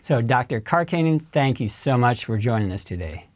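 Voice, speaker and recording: A man's voice: medium pitch, expressive, normal speed, a little mellow, no echo. Friendly male interview host, close dry recording. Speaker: podcast host.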